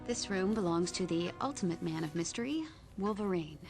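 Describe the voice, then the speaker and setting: An actress voicing a calm adult heroine who leads a newcomer on a tour of her team's home in a video game. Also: on the low side, fairly quick, creaky, soft background music. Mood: welcoming. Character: calm adult woman mutant team guide. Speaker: game character giving a house tour.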